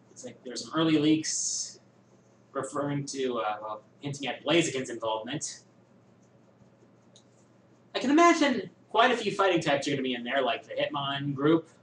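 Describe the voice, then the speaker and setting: A man hosting a viewer question show, musing and thinking aloud with many pauses in casual chat. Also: a little high, a bit bright, recorded from a distance, a little hiss or hum. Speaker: host answering viewer questions. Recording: echoey room, voice a bit off-mic, faint ambience.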